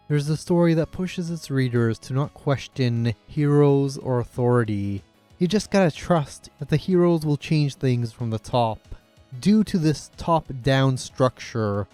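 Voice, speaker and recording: Male essay narrator, relaxed mid-range voice, casual and sardonic, faint music bed. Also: medium pitch. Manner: opinionated, sarcastic, casual swearing. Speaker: video essayist, host. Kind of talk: scripted video essay narration. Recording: music playing under the voice. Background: background music.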